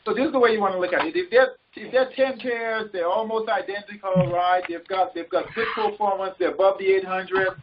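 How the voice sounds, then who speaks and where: Male call-leading coach, high pitch, halting repetitive delivery, dull audio with faint noise. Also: steady tone. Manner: halting, repeats words, checks in often with "okay" and "right". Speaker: trading coach leading a group conference call. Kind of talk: informal instruction on a group call. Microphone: conference call line. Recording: muffled, noisy conference call audio with clicks.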